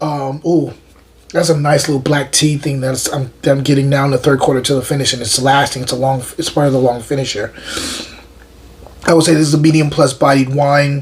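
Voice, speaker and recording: The man's pitch is fairly high and his intonation monotone and flat. He talks at a fairly quick pace over noticeable background noise. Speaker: wine reviewer. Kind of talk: wine tasting review. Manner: whispering at times; casual, hesitant with fillers.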